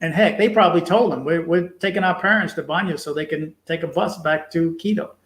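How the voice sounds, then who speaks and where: A man hosts a casual live stream, reading viewer comments aloud and pausing on fillers as he goes. He talks in a chatty, repetitive way to drive his points home. His voice sits a little high, and the room around him is echoey. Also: a bit bright. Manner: chatty, repeats himself for emphasis, many fillers. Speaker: livestream host reading viewer chat.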